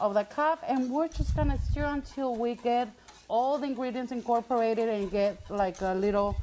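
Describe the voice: A woman speaks at a moderate pace in a fairly high voice, dark and mellow in tone, with ordinary pitch variation.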